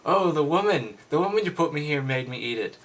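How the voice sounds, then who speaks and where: Man putting on a whiny high-pitched blame-shifter. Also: animated, a little fast, a bit bright, rough recording. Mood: whiny blaming.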